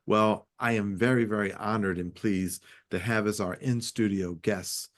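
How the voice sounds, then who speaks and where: A man's voice: on the low side, steady tone, measured pace. A man hosting a radio interview show, greeting his in-studio guests with formal, effusive welcomes.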